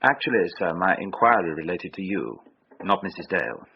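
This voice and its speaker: A grasping, formal young suitor. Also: male voice, low voice, very animated, fairly quick, creaky, heavily acted. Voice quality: stiffly polite and formal. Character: calculating young gentleman fiancé, polite but grasping. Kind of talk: radio drama acting. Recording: dull old radio recording with faint hiss.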